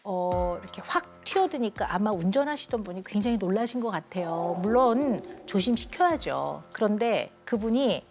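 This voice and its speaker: A woman speaking as a child psychiatrist guest on a TV talk show, telling an emotional story in an earnest, warm way and acting out the people she quotes. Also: mid-range voice, lively intonation, moderate pace, hardly any pauses, soft background music. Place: TV studio.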